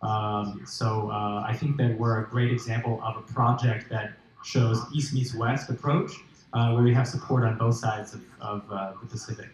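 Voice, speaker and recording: A man's voice: mid-range voice, steady tone, moderate pace, a little hiss or hum. A man speaking confidently on a conference panel. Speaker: panelist, company CEO. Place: large conference hall. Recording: echoey hall.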